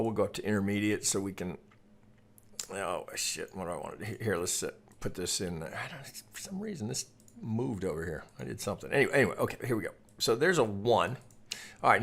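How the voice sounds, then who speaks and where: A man's voice: on the low side, creaky, fairly bright tone. Casual, opinionated male trading analyst. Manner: conversational, opinionated, casually profane, often checking with "right?". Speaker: trading educator and market analyst. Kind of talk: informal screen-share chart commentary.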